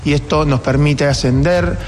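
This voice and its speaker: A man giving an official briefing, reporting figures in a steady way. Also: fairly high pitch, normal speed, slight background noise. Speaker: government official.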